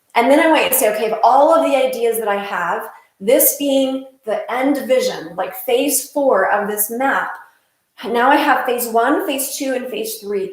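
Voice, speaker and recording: Lively intonation and an animated tone carry through audible room echo. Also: woman, high pitch for a woman. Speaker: business coach. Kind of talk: live coaching session. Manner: fast.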